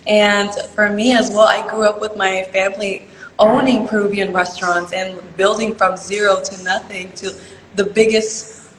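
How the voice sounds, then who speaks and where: A woman's voice: medium pitch, steady tone, normal speed, slight background noise. A young woman, raised in California, answering interview questions in an earnest, chatty way full of "like" and "you know". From born in Peru, raised in California. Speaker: pageant contestant interviewee. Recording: echoey room with long reverb.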